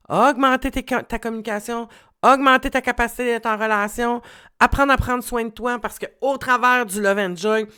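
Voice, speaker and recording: A woman's voice: medium pitch, a bit bright, clean tone. Québécois lady coach chatting away, encouraging, lots of "tu sais". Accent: Québécois French. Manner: chatty, encouraging, many fillers. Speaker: relationship coach. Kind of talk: casual commentary.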